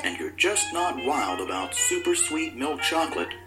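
A man's voice: a little high, very animated, normal speed. An actor playing a mock-heroic male announcer in a dramatic candy commercial. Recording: radio ad over loud music.

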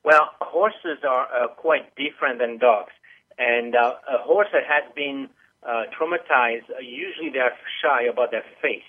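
A man who teaches animal massage speaks at a measured pace in a mid-range voice during a radio call-in interview. He explains patiently, with many small hesitations and frequent "uh" fillers, over a tinny phone line.

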